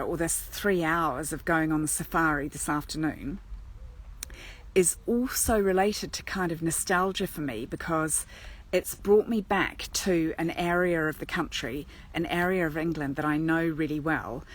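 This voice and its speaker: A woman's voice: low voice, a little slow. A woman from New Zealand, an agony aunt, chatting live and thinking aloud with many ums while sitting outdoors in a churchyard. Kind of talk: casual live stream chat.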